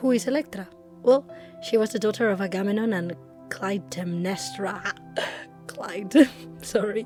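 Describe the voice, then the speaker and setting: A woman with medium pitch speaks at a moderate pace with lively intonation. She leaves long, frequent pauses, and music plays in the background. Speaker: mythology and psychology YouTuber. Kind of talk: casual humorous educational talk to camera.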